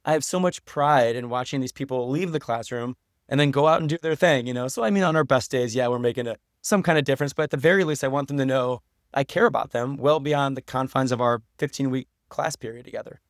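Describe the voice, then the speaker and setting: A man's voice: medium pitch, fast talker, dry recording, studio quality. A man talking casually and earnestly as a guest in an interview, often adding "you know" and "like". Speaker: podcast guest, professor and documentary maker. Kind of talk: casual conversational interview answers.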